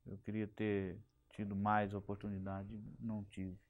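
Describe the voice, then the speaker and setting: A middle-aged telephone company technician with a Minas Gerais Brazilian Portuguese accent recalls his working life in an oral history interview. His lowish voice is completely flat and measured, heard through phone-quality sound, and he often repeats and restarts words.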